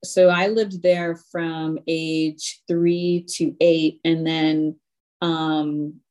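A woman from Haiti speaks as a guest on a podcast, recalling the past in a reflective, halting way. Her voice is somewhat low, and she pauses often with ums and restarts as she gathers her thoughts. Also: flat delivery, a little mellow. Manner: thoughtful, halting recollection with many fillers. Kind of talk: casual chat.

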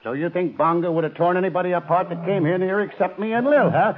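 An actor with an American accent playing a menacing, taunting killer in 1940s radio drama style, on a muffled old recording. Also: male voice, high-pitched, fast, close to an everyday voice. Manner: taunting, tough. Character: menacing, sneering male killer with a gorilla.

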